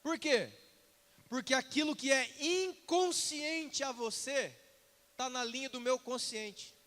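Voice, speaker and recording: A man preaching a sermon, lively and conversational, acting out little dialogues and asking the congregation questions. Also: extremely high pitch, slow, big-room sound. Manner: animated, acts out quoted dialogue, asks congregation questions. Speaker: pastor. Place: church sanctuary.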